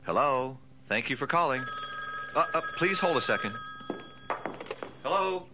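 A man playing a frantic office employee, hurried and hesitant in a comic answering greeting. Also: mid-range voice, expressive, natural voice. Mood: flustered. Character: frantic, flustered office employee juggling phone calls. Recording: noisy tape with ringing telephones.

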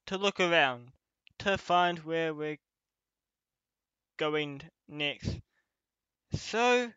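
A man playing a protective young companion leading an escape in an ASMR roleplay, speaking haltingly in short phrases. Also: on the high side, pushed and bright, clear, resonant tone, no room sound, dull audio, heavily acted. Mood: cautious, planning.

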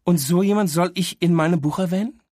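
A man's voice: mid-range voice, expressive, normal speed, a little mellow, breathy edge, no echo, studio quality, pitched above the performer's own voice. A man voicing an opinionated young female talking dog, cheeky and sarcastic, in an audiobook. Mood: indignant. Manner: cheeky, know-it-all, sarcastic. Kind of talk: audiobook character voice.

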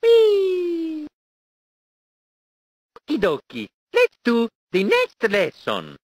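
A woman's voice: sits high, wildly swooping pitch, extremely slow, darkish tone, no room sound, exaggerated voice. A woman voicing a cheerful adult male Italian plumber hero in a video game, with an exaggerated Italian accent and a playful, exclamatory manner.

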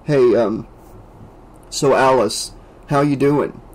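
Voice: medium pitch, slow pace, darkish tone, natural voice, poor audio. A reader voicing a casual teenage boy who talks hesitantly and sounds doubtful.

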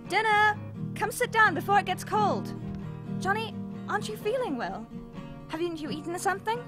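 A woman's voice: very high voice, lively intonation, normal speed, over loud music. A woman playing a doting, worried, middle-aged mother in an audio drama, fussing over her children. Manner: fussing, concerned.

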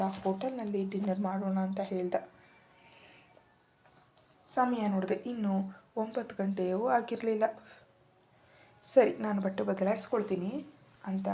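A woman reads a romantic tale aloud in the first person, her voice mellow and dark. She tells it at an emotional, unhurried storytelling pace, over a faint hiss of background noise. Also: mid-range voice.

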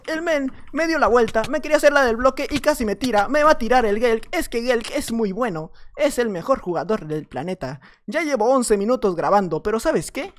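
A gaming YouTuber with a Mexican accent delivers playful, jokey commentary over his gameplay. He swings between loud, excited outbursts and low mumbles.

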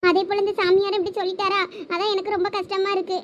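A woman's voice: very high voice, flat delivery, fast, highs cut off, a little hiss or hum. A young woman acting a wife in a village comedy skit, with pleading, tearful complaints.

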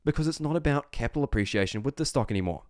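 A man's voice: medium pitch, lively intonation, rapid-fire, a little mellow, no echo, studio quality. A man giving off-the-cuff investment commentary, speaking emphatically with repeated phrases and rhetorical questions. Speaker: investing video host. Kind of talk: off-the-cuff stock analysis commentary.

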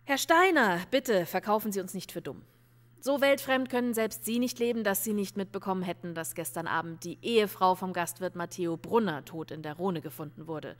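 A woman acting a no-nonsense police detective in a crime audio play. She questions insistently, with pointed sarcasm. Her medium-pitched voice carries long reverb. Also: a little fast, close to an everyday voice. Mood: sarcastic, pressing. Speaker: police investigator. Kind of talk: crime radio drama acting.

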